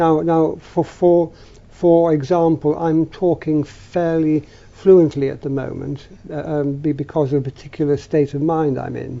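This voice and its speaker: At a fairly slow pace, a man speaks in a fairly high pitch with monotone, flat intonation. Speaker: stuttering association activist. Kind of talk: interview answer. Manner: stammering.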